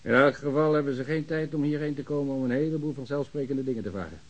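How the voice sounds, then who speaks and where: Guy acting as sarcastic overworked police lab man, moaning, slightly rough mid-range voice, radio play. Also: mid-range voice, quick pace, lo-fi sound, lightly acted. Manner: sardonic, complaining. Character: overworked, grumbling sarcastic male police ballistics technician.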